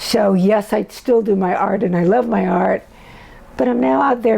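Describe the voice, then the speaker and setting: There is noticeable background noise behind a woman with an American accent. Her pitch is medium and her intonation is lively. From US West Coast (Los Angeles). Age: 70s. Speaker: collage artist and model. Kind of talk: interview.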